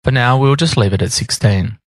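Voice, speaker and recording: A man reading scripted instructional narration in a measured, explanatory manner. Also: mid-range voice. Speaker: tutorial narrator.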